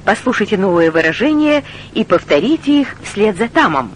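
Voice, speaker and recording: A woman hosting a scripted radio language lesson, presenting in a clear, instructive, measured way. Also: mid-range voice, big pitch swings. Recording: studio voice with faint music.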